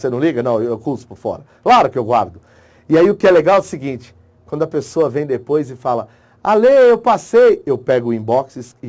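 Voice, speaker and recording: A man with a Brazilian accent, an online course teacher giving an emotional motivational talk to exam candidates, swinging between soft and loud. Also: fairly high pitch. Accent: Brazilian Portuguese.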